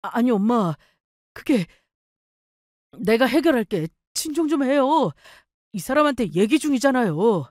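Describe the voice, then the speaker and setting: A woman voicing a pushy, panicky husband in a story drama, shifting between yelling and begging. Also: on the high side, very animated, a little slow, long pauses, no room sound, clean studio sound. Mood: pleading. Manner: angry then pleading. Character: panicky, pushy husband, middle-aged man.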